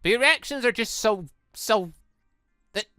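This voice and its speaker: A gaming YouTuber reading out the part of an excitable, eager young woman in a visual novel, flustered and gushing, with music behind. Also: medium pitch, measured pace, no echo, studio quality, pitched above the performer's own voice. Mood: flustered, apologetic.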